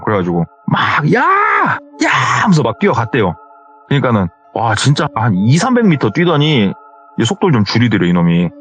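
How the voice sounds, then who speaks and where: A man narrating a true horror story as host, telling it in a lively way and acting out the people in it with raised voices. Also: mid-range voice, slightly rough. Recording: dull lo-fi sound with faint music.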